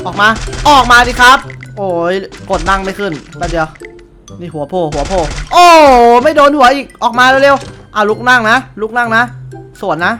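A young man giving excited gameplay commentary, taunting opponents and repeating short calls over and over. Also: high voice, moderate pace, faint music behind. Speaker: gamer streamer.

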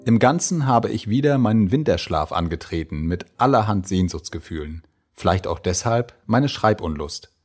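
A man giving a measured, expressive reading of old letters and diary entries. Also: lowish voice. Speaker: reader.

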